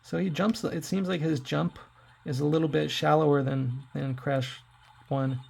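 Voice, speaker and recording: A man in his forties talks his way through a handheld game session, addressing viewers in loose, rambling asides. His voice is worn and hoarse, deeply gravelly and raspy, and sits a touch higher than most men's. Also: fairly even intonation, measured pace, darkish tone. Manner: rambling, chatty, talks to viewers while playing. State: hoarse from throat trouble. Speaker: tech reviewer playing retro games. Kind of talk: casual gameplay commentary.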